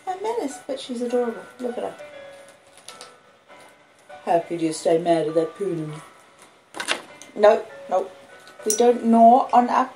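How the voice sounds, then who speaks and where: A woman's voice: fairly high pitch, big pitch swings, measured pace, long pauses, mellow, soft background music, rough recording. A woman in her fifties with an Australian accent, chatting casually and reading aloud at home in a homely, chatty way. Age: 50s. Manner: chatty, breaks off to talk to pet dogs. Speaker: host reading a classic novel aloud to listeners. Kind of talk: casual homely chat and audiobook-style reading. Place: at home indoors with dogs.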